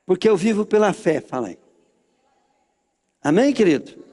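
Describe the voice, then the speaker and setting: A man's voice: high-pitched, sing-song, normal speed, dark tone, long reverb tail. A Brazilian pastor leading his congregation in a prayer, giving them short phrases to repeat after him. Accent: Brazilian Portuguese.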